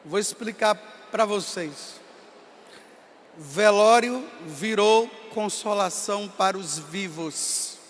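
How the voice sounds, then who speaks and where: A Brazilian priest in his fifties with a Bahia accent, telling stories in a sermon and rising to impassioned shouts. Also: sits high, takes it slowly, slight background noise. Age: 50s. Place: large hall at a camp gathering. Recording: long reverb of a large hall.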